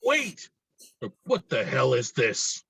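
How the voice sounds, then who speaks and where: Man acting as bullying cop dad, slightly husky, dry close sound, scornful, screenplay reading. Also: mid-range voice, huge pitch swings, takes it slowly, fairly bright tone, dry recording, full character voice. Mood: angry, menacing. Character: cruel, bullying small-town cop father, contemptuous. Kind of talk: amateur screenplay table read.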